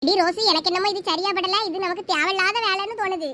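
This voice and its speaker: A performer voicing a nosy young village woman friend in a very high, shrill cartoon voice with a Thoothukudi Tamil accent. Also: fairly even intonation, fast, pushed and bright. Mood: scolding.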